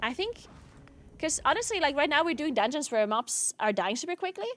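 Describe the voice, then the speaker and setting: A woman's voice: sits high, sing-song, a little fast, fairly bright tone. Chatty woman streamer. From South Tyrol, Italy. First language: German. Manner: chatty, answers chat, frequent "like" fillers. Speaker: game streamer. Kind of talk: casual chat while gaming.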